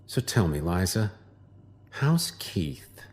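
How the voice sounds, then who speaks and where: A man's voice: sits low, big pitch swings, slow pace, darkish tone, slight background noise, exaggerated voice. An actor playing a smug, menacing doctor who taunts his captive wife in an audio drama. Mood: mocking.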